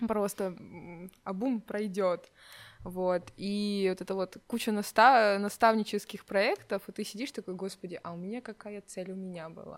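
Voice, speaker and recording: A woman's medium-pitched, an unremarkable speaking voice, with fairly even intonation, a fairly slow pace and big swings in loudness. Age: 20s. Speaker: youth work specialist. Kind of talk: casual chat.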